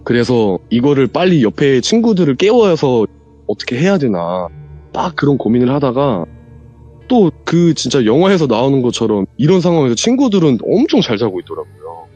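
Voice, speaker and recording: A man's voice: medium pitch, normal speed, highs cut off, soft background music. A man guest on a horror radio show, casually telling a true ghost story and acting out the lines people said. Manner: animated, acts out quoted lines from the story.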